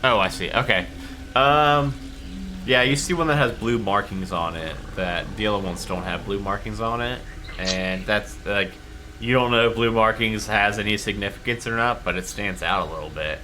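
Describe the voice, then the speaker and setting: A man running a tabletop game as game master, narrating casually and haltingly as he thinks aloud. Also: lowish voice, noisy background.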